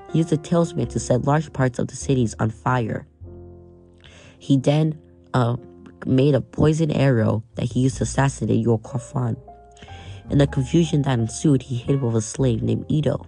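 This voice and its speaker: A man's voice: medium pitch, vocal fry, dark tone. A young man from Nigeria with an American accent, reading a scripted history podcast as its host and stumbling over some names. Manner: reads from a script with frequent restarts on names.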